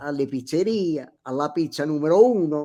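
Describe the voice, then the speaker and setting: A man with a plain, everyday voice, a fairly slow pace, and ordinary pitch variation. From Matera, Basilicata, southern Italy. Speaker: emigrant, former shoe factory owner. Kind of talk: interview answer.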